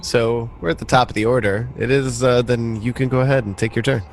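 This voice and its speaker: A man's voice: medium pitch, fairly even intonation, a little fast, slight background noise. A man acting as game master, narrating a tabletop roleplaying game in a conversational, descriptive way.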